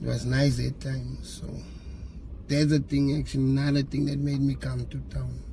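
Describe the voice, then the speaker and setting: Room echo is audible as a man speaks at a moderate speed. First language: Afrikaans. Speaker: interviewee, former street person. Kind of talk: interview testimony. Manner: halting.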